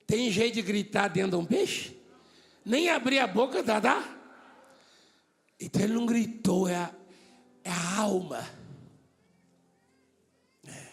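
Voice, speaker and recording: A Brazilian pastor preaching a sermon to his congregation, swinging from hushed talk to shouting and acting out dialogues. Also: high voice, expressive, normal speed, vocal fry, long pauses. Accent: Brazilian Portuguese.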